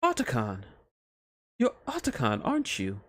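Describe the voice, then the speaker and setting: A man's voice: medium pitch, wildly swooping pitch, moderate pace, a bit bright. A man voicing a tall, suave, gracious female witch in a fan fiction reading. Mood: recognising.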